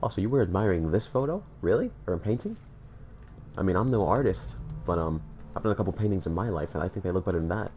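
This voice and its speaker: A man's voice: low voice, lively intonation, fast, dark tone, lo-fi sound. A man with a slightly congested voice, joking and rambling to his viewers as he plays through a game. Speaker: gaming channel host. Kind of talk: casual let's-play commentary.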